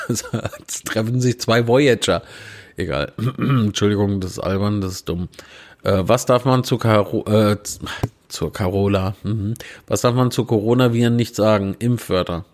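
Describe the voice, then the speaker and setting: A man's voice: lowish voice, measured pace. A man reading out puns in a dry, plain way, with self-mocking asides, recorded indoors on a handheld recorder set on a small tabletop tripod. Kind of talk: casual joke reading.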